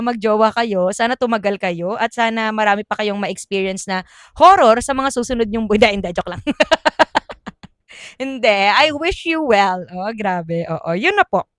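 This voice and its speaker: A woman's voice: fairly high pitch, no echo, studio quality. A woman vlogger telling stories casually and animatedly, laughing often and acting out what people said. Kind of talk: casual storytelling.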